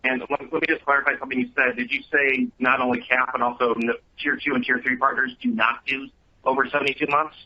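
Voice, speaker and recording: A man's voice: mid-range voice, flat delivery, quick pace. A man calling in as an analyst with follow-up questions on an earnings call. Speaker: financial analyst caller. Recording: muffled phone line.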